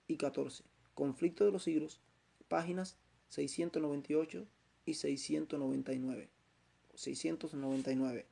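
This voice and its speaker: Give me a man preaching a Bible lesson. His voice is gravelly and dark in tone. He speaks slowly and emphatically, repeating phrases for stress. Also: a little high. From Cuba. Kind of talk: Bible teaching sermon.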